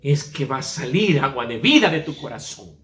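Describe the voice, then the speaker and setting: A man preaching a sermon, telling a story in an animated, emphatic way. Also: mid-range voice, normal speed, reverberant.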